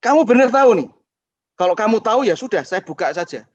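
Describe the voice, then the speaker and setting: A man's voice: high-pitched, fast, a bit bright, no room sound, highs cut off. A man voicing a shocked middle-aged driver who pulls over and confesses.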